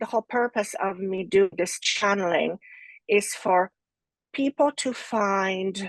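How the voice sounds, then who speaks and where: A woman with a non-native accent speaks at a very slow pace, at medium pitch with ordinary pitch variation. The sound is dry and close with no echo, over a quiet background. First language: not English. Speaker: energy healer and psychic medium. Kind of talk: interview.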